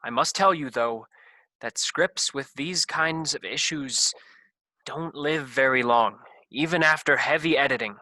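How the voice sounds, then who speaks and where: A man acting as a self-important doctor in a comedy sketch, very bright and forceful, recorded close and dry. He fumbles, then turns grave and bossy with melodramatic weight. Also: mid-range voice, measured pace, no echo, low-quality recording. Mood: grave concern. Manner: hesitant stammer turning to bossy, melodramatic gravity. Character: flustered, self-important male doctor who operates on scripts. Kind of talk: comedy sketch staged reading.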